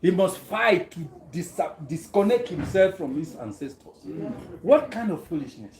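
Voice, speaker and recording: A man's voice: high voice, sing-song, normal speed, crowd noise. A man from Cameroon, speaking earnestly to a gathering as a guest and often posing rhetorical questions. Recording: roomy echo.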